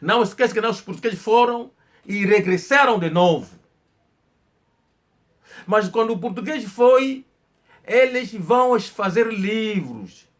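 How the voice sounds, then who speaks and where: Um homem que conta história num tom informal, falando de forma enfática, com repetições e hesitações. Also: male voice, high-pitched. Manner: slow, emphatic storytelling with hesitations and repetitions. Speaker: channel host. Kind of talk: informal history talk.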